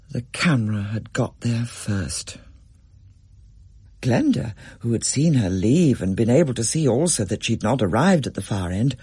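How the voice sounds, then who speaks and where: Husky, animated story reader, dry studio sound. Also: mid-range voice, no room sound. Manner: expressive, varied storytelling. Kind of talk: scripted story reading.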